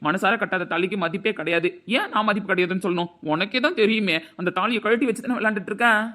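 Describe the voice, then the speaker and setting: A woman voicing an angry, scornful young husband in an amateur audio drama, shouting and scolding. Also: mid-range voice, fast, natural voice. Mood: furious. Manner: shouting, scolding, repeats "understand?".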